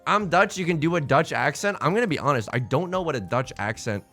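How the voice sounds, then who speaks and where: A man streaming live, chatting casually with viewers in an animated, jokey way, often restarting and repeating his words. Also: fairly high pitch, fast talker, soft background music.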